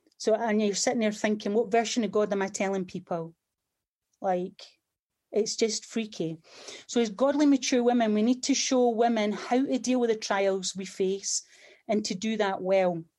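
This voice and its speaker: A Scottish accent, a dark, mellow tone and ordinary pitch variation. The pace is moderate over a quiet background. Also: woman, fairly high pitch for a woman. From Scotland. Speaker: women's ministry director. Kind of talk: conference talk over video. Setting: video call. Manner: informal, humorous.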